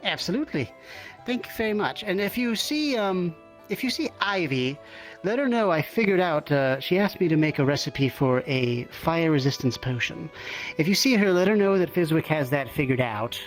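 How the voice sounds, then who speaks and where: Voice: medium pitch, sing-song, moderate pace, natural voice, low-quality recording. A performer playing a mild, bookish potion researcher in an improvised fantasy roleplay, polite, hesitant and rambling. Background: music.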